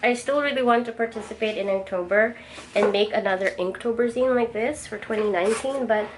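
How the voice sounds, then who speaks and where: Woman rambling casually over steady background noise. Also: fairly high pitch, a little fast. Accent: Filipino. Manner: rambling, thinks aloud while sorting stock. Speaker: artist vlogger. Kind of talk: casual chat while working. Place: home art studio. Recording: noisy room ambience.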